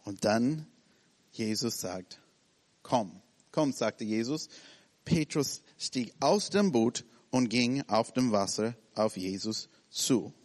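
Animated preacher man in a reverberant hall. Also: lowish voice. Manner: animated, acts out scenes in short broken phrases. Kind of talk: sermon.

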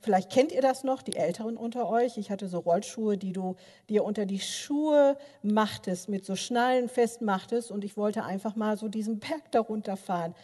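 Older woman, lay preacher in a church, lively storyteller with lots of filler sounds, long hall reverb. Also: mid-range voice, moderate pace, hardly any pauses. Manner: animated storytelling, many filler sounds, addresses listeners directly. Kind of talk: sermon with personal stories.

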